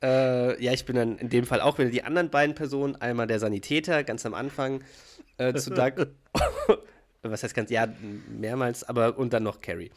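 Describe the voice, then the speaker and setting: A man's voice: medium pitch, moderate pace. A man co-hosting a podcast in casual chat, setting up the scenes with hesitant fillers. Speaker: podcast co-host.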